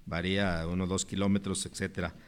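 Low-pitched Mexican man presenting informally. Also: level tone, brisk, clean tone. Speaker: official hosting a press conference.

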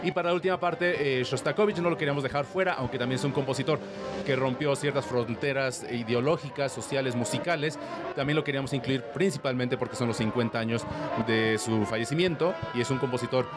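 Conductor, thoughtful and hesitant. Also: male voice, medium pitch, fast talker, over loud music. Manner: thoughtful, hesitant with many fillers. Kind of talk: interview answers.

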